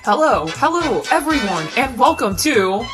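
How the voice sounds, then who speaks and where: A woman's voice: high-pitched, sing-song, moderate pace. A woman playing a showy game show host in a theatrical parody. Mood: showy, welcoming. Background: music.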